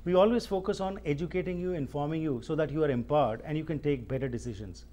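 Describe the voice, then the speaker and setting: A man hosting his own talk show, who introduces guests and asks long questions in a formal, measured way. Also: on the high side, mellow.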